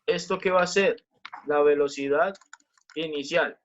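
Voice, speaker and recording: A man's voice: a little high, measured pace, muffled recording. A man teaching a physics class online, explaining step by step, repeating key points and asking the students questions.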